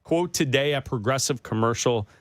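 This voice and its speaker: A man's voice: medium pitch, normal speed, no room sound, studio quality. A man hosting a sports radio show, telling stories in a loose, laughing way with fillers. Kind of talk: casual sports talk banter.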